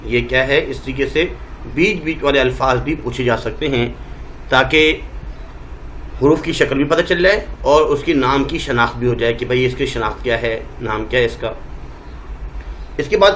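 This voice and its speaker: A male teacher with a Pakistani Urdu accent, giving a Quran reading lesson and drawing out each letter name slowly to show how it is said. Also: medium pitch, a bit bright, slight background noise, low-quality recording. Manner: draws out letter names slowly, modelling pronunciation.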